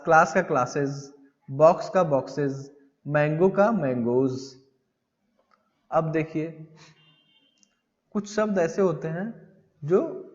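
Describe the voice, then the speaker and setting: A man teaching English grammar in a classroom style. He reads English lines slowly, explains them in Hindi, and asks questions that he answers himself. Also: fairly high pitch. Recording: dull lo-fi audio with long reverb.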